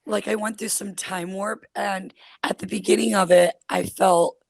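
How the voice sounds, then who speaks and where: A woman's voice: mid-range voice, steady tone, moderate pace, creaky, dry recording. A woman in her forties with a super scratchy voice, chatting as a podcast guest in a self-deprecating, laughing way. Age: 40s. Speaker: guest comedian. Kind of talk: casual podcast chat.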